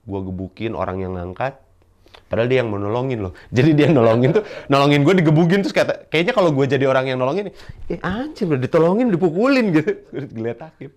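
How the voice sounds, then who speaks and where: A young man, performing a stand-up storytelling monologue. He acts out the other people in his story with sudden high-pitched shouts. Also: animated, quick pace. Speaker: stand-up comedian.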